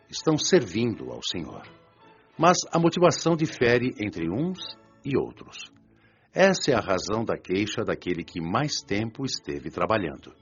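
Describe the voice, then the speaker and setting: Over music, in slightly dull audio, a solemn Brazilian spiritual preacher in a radio drama. His low voice rises and falls expressively as he teaches with measured, rhetorical care. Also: slightly rough. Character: earnest, solemn male spiritual preacher explaining a parable. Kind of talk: scripted sermon-like lecture.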